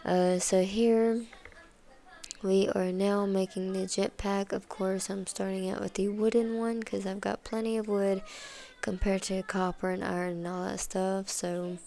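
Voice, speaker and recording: A woman's voice: mid-range voice, little pitch movement, measured pace, gravelly, dark tone. A woman, congested from sinus trouble, giving rambling, casual gameplay voice-over commentary full of fillers. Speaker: gaming video host.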